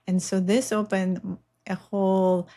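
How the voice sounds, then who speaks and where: A woman's voice: mid-range voice, flat delivery, takes it slowly, warm tone. A middle-aged woman from Belarus, a native Russian speaker, talking in an earnest, meandering way with many fillers as a guest in a spiritual interview. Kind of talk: casual interview talk.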